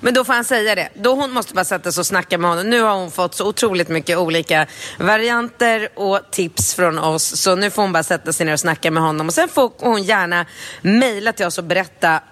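A woman's voice: fairly low pitch, fairly bright tone. A woman co-hosting a relationship podcast in casual chat, speaking in a matter-of-fact, practical way. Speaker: podcast co-host.

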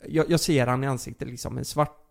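A young man casually telling a story on a podcast, animated, with many fillers and curses. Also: mid-range voice, vocal fry.

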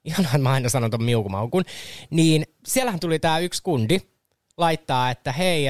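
A young man from Finland, co-hosting a podcast, telling a story in a lively, swear-filled casual chat with lots of fillers. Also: mid-range voice, clean tone, no echo, studio quality. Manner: animated, swearing, many fillers. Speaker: podcast co-host.

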